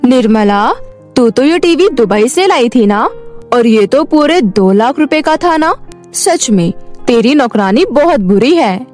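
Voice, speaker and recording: A woman's voice: a little high, animated, a little slow, a little mellow, faint music behind. A woman voicing a meddling, spiteful female friend in a cartoon story, goading and disdainful. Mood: needling. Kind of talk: animated moral story dialogue.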